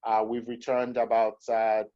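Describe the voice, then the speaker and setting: A man from Nigeria in his thirties, telling his story on a video call in a steady, measured way. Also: fairly low pitch. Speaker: startup founder and investor. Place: indoors, home room. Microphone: laptop mic on video call. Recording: muffled video call audio.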